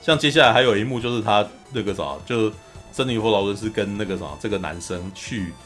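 A man hosting a podcast, recapping a film in a lively, casual storytelling way. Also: fairly low pitch, fast talker, soft background music. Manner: animated storyteller, often acts out quotes. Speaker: podcast host.

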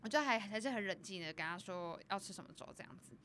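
Fast lively young woman telling a story. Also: medium pitch, slight background noise. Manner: animated storyteller, acts out her boss. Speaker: podcast co-host. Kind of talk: casual chat, storytelling.

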